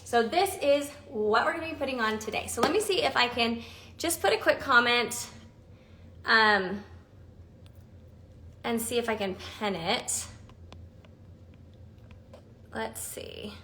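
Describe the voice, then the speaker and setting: A woman's voice: on the high side, animated, slow pace, pauses often, bright, forceful tone, roomy sound, a little hiss or hum. A woman in her forties hosting a casual live stream, chatty and bubbly, laughing often as she talks through makeup. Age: 40s.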